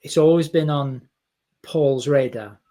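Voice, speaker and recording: A man's voice: on the high side, fairly even intonation, measured pace, dark tone. A man hosting an interview, summarizing his guest's points and asking follow-up questions. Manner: summarizing and rephrasing guest's answers. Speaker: podcast host.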